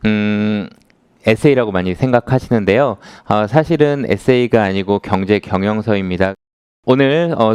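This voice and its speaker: Male lecturer in his thirties, lively rising-and-falling delivery, smooth clear voice, dry close sound. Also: medium pitch, dry recording. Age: 30s. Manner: conversational, asks the audience questions. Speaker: author giving a lecture. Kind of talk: lecture to a live audience.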